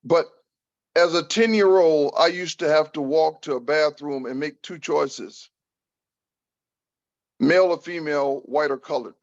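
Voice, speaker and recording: Older american guy answering at a talk, deliberate, repeats himself, bit high pitched, slightly muffled recording. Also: no echo. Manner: deliberate, halting, repeats phrases for emphasis. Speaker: speaker at a public talk. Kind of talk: answering an audience member at a talk.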